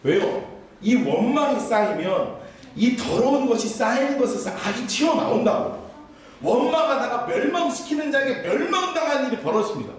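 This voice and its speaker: A man preaching a sermon as pastor, impassioned and at times shouting. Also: extremely high pitch, expressive, moderate pace. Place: church sanctuary. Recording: echoey church hall, voice from a distance.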